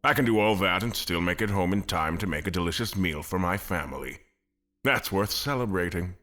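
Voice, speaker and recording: A man's voice: deep voice, lively intonation, brisk, bright, forceful tone. An actor playing a genial, self-important middle-aged space admiral and father in an audio drama. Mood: playfully proud.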